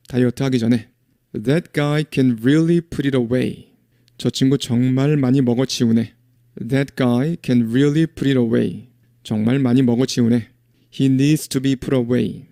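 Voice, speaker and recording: A man teaching an English vocabulary lesson, saying English example sentences slowly and with care and explaining them in quick bursts. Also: mid-range voice, mellow, dry recording, clean studio sound.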